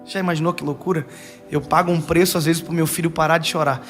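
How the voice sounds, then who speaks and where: A young Brazilian pastor with a high voice preaches with lively storytelling, acting out the people he quotes. Soft music plays quietly behind him. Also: fast. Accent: Brazilian Portuguese. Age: young adult. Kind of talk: sermon.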